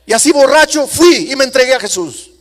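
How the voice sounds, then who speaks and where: A man's voice: mid-range voice, fairly even intonation, normal speed, pitched below the performer's own voice, close to an everyday voice. Preacher voicing a repentant ex-drunk man. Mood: impassioned. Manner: earnest, pleading confession addressed to the pastor. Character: repentant middle-aged man, former drunk, broken. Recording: long reverb of a large hall.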